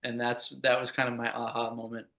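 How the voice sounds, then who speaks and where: A man's voice: medium pitch, completely flat delivery, brisk, crowd noise. A man in his twenties, a podcast guest, answering earnestly in a casual way with many "like" and "just" fillers. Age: 20s.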